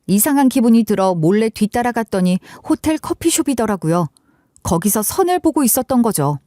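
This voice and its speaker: A woman narrating a submitted story in first person, with an expressive, dramatic delivery. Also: fairly high pitch, no room sound, clean studio sound.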